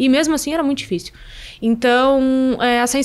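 This woman speaks with a high pitch. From Rio Grande do Sul, Brazil (Bagé); Rio Grande do Sul, Brazil. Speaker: fashion business owner; podcast guest. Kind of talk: interview. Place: studio. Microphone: studio mic.

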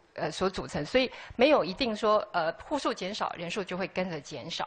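A woman talks at a medium pitch. Her intonation is lively. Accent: Taiwanese. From Taiwan. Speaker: county social affairs director, civil servant; government department head answering councillors. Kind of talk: official report and answering questions; formal answers in council questioning. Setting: council chamber. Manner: formal. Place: hall. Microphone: podium.

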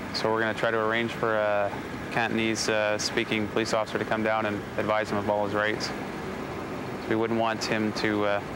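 The pace is moderate and the sound is dry, with no echo. Background noise is noticeable. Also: man. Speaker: police officer. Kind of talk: on-scene commentary. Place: street. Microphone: camera far.

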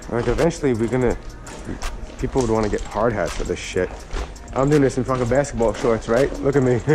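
Over faint music in the background, a man talks very fast with fairly even intonation. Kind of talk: casual vlog chat. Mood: wary, slightly nervous. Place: tunnel cave. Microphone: phone near.

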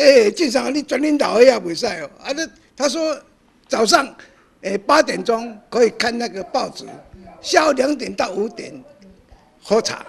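This man's pitch is extremely high. His intonation is lively. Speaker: senior association president. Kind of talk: interview. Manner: halting. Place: meeting room. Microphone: handheld.

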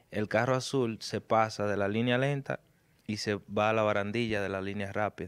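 A man speaks with a Dominican accent. His pitch sits fairly low. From Dominican Republic, Salcedo; Dominican Republic. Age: young. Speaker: Uber driver, rescuer of a woman; interview guest. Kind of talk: interview, personal story. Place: studio. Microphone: handheld.

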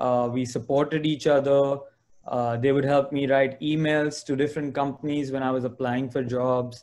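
This man talks at a moderate pace in a fairly high pitch, his intonation monotone and flat. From India (Gujarat). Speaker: documentary filmmaker. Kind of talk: interview. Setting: video call. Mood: calm, reflective. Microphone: video call.

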